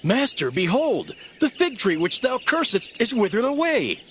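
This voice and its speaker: A man's voice: very high voice, sing-song, moderate pace, a bit bright, a little hiss or hum, heavily acted. An actor playing an astonished male disciple in a dramatized Bible audio drama, exclaiming in amazement to his master. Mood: amazed.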